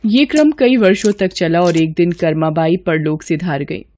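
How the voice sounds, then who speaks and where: A woman narrating a scripted devotional story in an even, gentle storytelling voice. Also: fairly low pitch, normal speed, slight background noise. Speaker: storyteller voicing the women.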